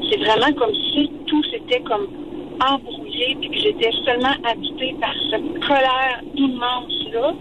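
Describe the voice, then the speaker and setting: A woman talks at a fairly slow pace in a high pitch. Noticeable background noise sits behind her. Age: 40s. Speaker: caller. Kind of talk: phone-in confession. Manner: halting.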